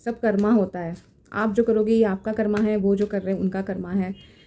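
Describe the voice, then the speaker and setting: A woman giving a casual tarot reading in a gentle, reassuring way, slipping into English phrases. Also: medium pitch, flat delivery, normal speed. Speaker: tarot reader. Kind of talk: casual spiritual guidance. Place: home room.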